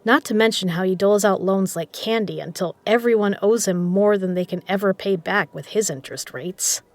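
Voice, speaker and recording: A woman playing a shrewd poker legend who runs an underground casino, speaking in a measured, persuasive way in a scripted audio drama. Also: medium pitch, dry recording, close to an everyday voice. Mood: concerned, scornful.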